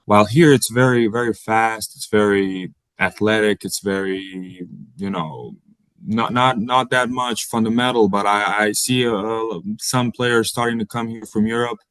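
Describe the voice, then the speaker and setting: A young man from Bosnia, Bosnian native, speaking English as a college basketball player in an interview, halting and repeating words as he searches for them. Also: fairly low pitch, fairly bright tone, smooth, no echo, low-quality recording. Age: young adult. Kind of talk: interview answers.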